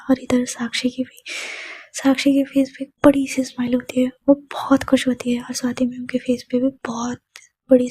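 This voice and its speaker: Female storyteller: high, breathy, soft-spoken narration. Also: no room sound, poor audio.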